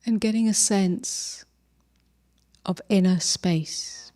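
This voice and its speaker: A woman leading a guided meditation as a teacher, gentle and unhurried, with long pauses and soft, breathy phrase endings. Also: mid-range voice.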